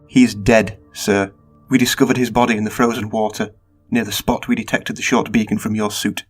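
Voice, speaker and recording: A man acting a loyal, dutiful older butler in a radio drama, formal, deferential and anxious for his master, with a husky voice. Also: lowish voice, flat delivery, moderate pace, faint music behind. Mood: grave, concerned.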